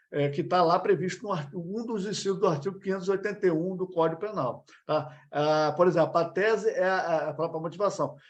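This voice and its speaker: Brazilian man teaching a law lesson. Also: on the high side. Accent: Brazilian Portuguese. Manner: conversational, many fillers and checks like "tá ok?"; repeats points and restarts phrases. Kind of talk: recorded exam-prep lecture.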